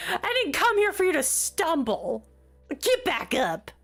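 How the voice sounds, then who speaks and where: Slow, chatty woman streaming a game. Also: high-pitched, a bit bright. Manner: chatty and giggly, reading out and answering chat. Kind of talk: casual live-stream chat while playing a game.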